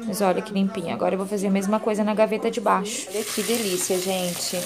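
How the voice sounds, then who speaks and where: A woman's voice: medium pitch, background noise. A woman, chatting casually to her phone camera while cooking and cleaning in her home kitchen, full of tag questions and fond diminutives. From southern Brazil. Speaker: home vlogger. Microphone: handheld phone camera.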